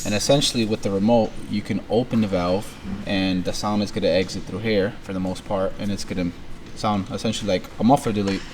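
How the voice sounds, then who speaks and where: A man's voice: fairly low pitch, steady tone, brisk. A man vlogging casually in an auto repair garage, explaining work on his car to the camera. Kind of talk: casual shop talk. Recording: noisy garage ambience.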